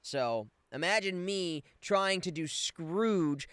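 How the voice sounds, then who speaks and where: A man's voice: high voice, expressive, takes it slowly, fairly bright tone, clear, resonant tone, no room sound. A man giving casual, playful live commentary as a game streamer, with wry asides. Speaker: streamer and voice actor.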